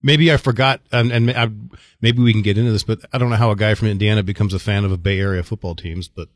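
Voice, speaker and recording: A middle-aged man hosting a podcast, chatting casually and gently ribbing his guest. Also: on the low side, steady tone, quick pace, no echo, clean studio sound. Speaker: podcast host. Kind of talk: casual interview chat.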